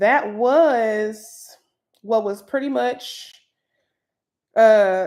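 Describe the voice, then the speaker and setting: In a very clean recording with a silent background, a woman speaks at a fairly high pitch with ordinary pitch variation. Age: 30s. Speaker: small business YouTuber. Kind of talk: casual livestream chat. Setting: livestream on laptop. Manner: occasional stutter.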